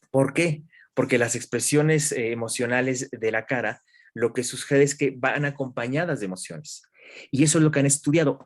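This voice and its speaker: A man, a guest expert in an interview, explaining calmly with examples and questions to the listener. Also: mid-range voice. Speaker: guest expert in human development.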